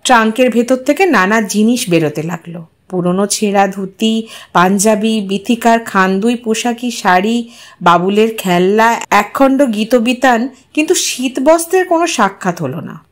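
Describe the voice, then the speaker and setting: A woman's voice: on the high side, moderate pace. A woman storyteller giving a scripted, dramatic narration of a short story.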